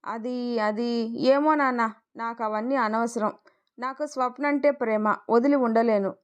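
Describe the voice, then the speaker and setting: A woman's voice: on the high side, fairly even intonation, unhurried, clean tone, natural voice. Woman reading an evasive young husband, pleading, storybook voice. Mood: defensive. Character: young husband, defensive and self-excusing.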